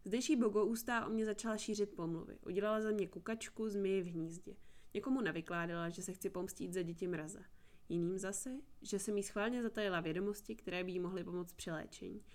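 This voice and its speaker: A woman's voice: mid-range voice, steady tone, a little mellow, close to an everyday voice. A woman voices a young woman held captive who longs to get away and is bitter about her lot. She speaks earnestly and pleads, in a plain audiobook reading close to the reader's own voice.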